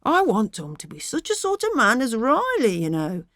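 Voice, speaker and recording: A woman's voice: a little high, wildly swooping pitch, normal speed, fairly bright tone, no room sound, voice pushed up, heavily acted. Woman doing a stubborn middle-aged country miller, rural english accent, blustery and emphatic, audiobook novel, very dry close sound. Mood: pleased, musing. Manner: emphatic, ruminating, dialect-heavy.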